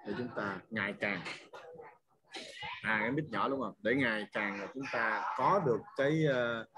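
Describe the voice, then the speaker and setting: A man in his forties talks casually over a webcam microphone, rambling from point to point and laughing as he turns questions on his listeners. Behind him, a house full of guests keeps up a loud wash of party chatter. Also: medium pitch. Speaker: business trainer hosting a morning Zoom session. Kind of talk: casual talk on a video call. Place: home room with guests over. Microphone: webcam microphone on a video call. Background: noisy party crowd in the house.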